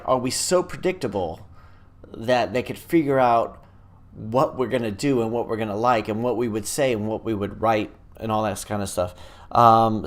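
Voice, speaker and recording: Rambling man on a live stream. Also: mid-range voice. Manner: rambling and hesitant, many fillers and restarts. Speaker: app developer hosting a live stream. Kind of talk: casual live-stream chat, reading viewer comments.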